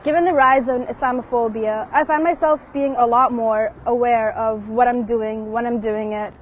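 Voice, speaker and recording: Reflective young woman, measured tone. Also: fairly high pitch, fairly even intonation, a little hiss or hum. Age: young adult. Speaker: university student interviewee.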